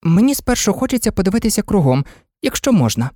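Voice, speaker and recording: A woman's voice: medium pitch, sing-song, fast, mellow, dry recording, clean studio sound, pitched above the performer's own voice. A woman voicing a polite, curious seven-year-old girl. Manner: polite, earnest.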